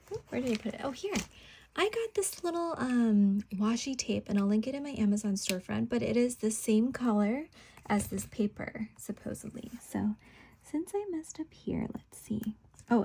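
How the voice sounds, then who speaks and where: A woman's voice: medium pitch, gravelly, mellow, a little hiss or hum. A woman casually talking through what she is doing as a craft video host, trailing off into murmurs as she concentrates. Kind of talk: casual plan-with-me chat, narrating while working.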